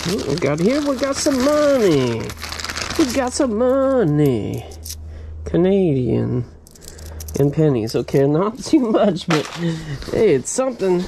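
A middle-aged man, a storage unit reseller, chatting casually through an unboxing, bursting into excited exclamations over his finds, recorded on a head-mounted camera in a storage unit. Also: high voice, vocal fry, slight background noise. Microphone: head-mounted action camera.

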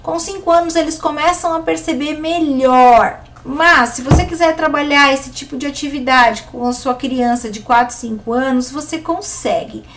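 A woman with a Brazilian Portuguese accent giving a recorded lesson to educators, explaining classroom games clearly and with lively pitch swings. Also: moderate pace, hardly any pauses. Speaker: teacher giving an online course.

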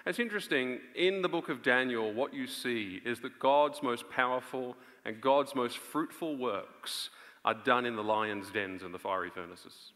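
Bright-voiced preacher in a big hall. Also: male voice, medium pitch. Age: 30s. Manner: earnest, emphatic, dramatic pauses. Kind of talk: live conference sermon. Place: on stage in a large theatre before an audience. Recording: reverberant large auditorium sound.

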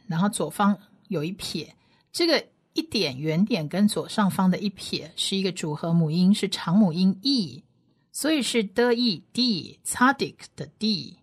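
A woman leads a radio Bible lesson, walking through Hebrew letters one by one. She talks patiently and says each sound again and again, slowly, so listeners can follow along. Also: medium pitch, breathy edge.

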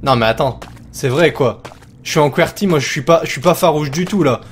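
A man commentating a horror game as he plays it, jokey and excitable, talking to himself. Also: fairly high pitch, a little fast, a little hiss or hum. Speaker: let's play host.

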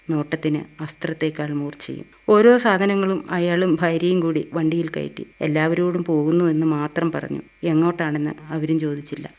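Measured male short story narrator. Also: a little high, vocal fry, a little mellow.

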